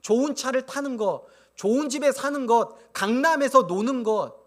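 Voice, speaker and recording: A man's voice: very high-pitched, moderate pace. A man preaching a sermon as pastor, acting out quoted inner voices as he goes. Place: church sanctuary.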